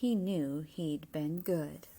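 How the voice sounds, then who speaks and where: A woman reading a children's picture book aloud, with measured, expressive storytelling in rhyme. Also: sits low. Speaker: story reader.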